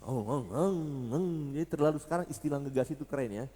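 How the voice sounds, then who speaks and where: A man's voice: mid-range voice, fast, dark tone. A man preaching a sermon, joking with the congregation and rising to emphatic peaks. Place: church. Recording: reverberant church hall.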